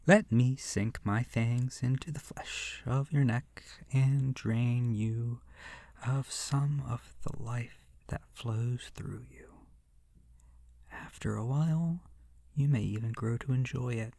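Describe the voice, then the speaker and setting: Slow, creaky, seductive vampire, acted out by someone. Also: medium pitch, dark tone, no echo. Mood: predatory, teasing. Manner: slow, breathy near-whisper, theatrical and menacing. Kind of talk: scripted horror audio roleplay, ASMR.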